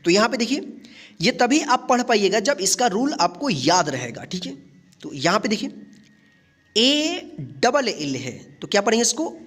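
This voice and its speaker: A woman's voice: fairly high pitch, sing-song, normal speed. A woman teaching a phonics lesson, spelling each word letter by letter and then saying it whole, and asking the viewer questions as she goes. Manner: asks the viewer questions and repeats the rule. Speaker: English teacher.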